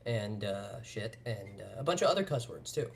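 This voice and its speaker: A man's voice: on the low side, animated, creaky, faint music behind. A man whose first language is Russian, chatting casually and crudely on a live stream, rambling with lots of swearing. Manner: rambling, halting with fillers.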